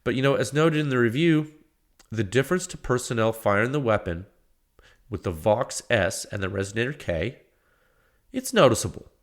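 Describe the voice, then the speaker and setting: A man hosting a technical podcast, congested from a cold, explaining measurements in a halting way with many restarts. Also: mid-range voice, expressive. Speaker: podcast host. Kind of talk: technical talk.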